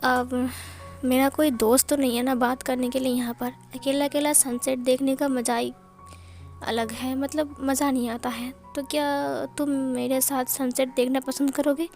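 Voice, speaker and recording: A woman's voice: sits high, little pitch movement, a little slow, a little mellow, faint music behind. Woman reading as an easygoing, friendly young man. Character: calm friendly young man who loves math. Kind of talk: amateur fan-fiction reading.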